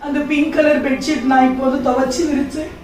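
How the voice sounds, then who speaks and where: A woman plays a young wife tormented by her in-laws, pouring out her hurt in a high, emotional voice. It was recorded in a very echoey room from some distance, with soft music behind. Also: flat delivery, fast, close to an everyday voice. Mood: tearful. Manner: emotional and pleading, bursts of anger. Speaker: actor in a church family skit. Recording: echoey room, far mic, faint music.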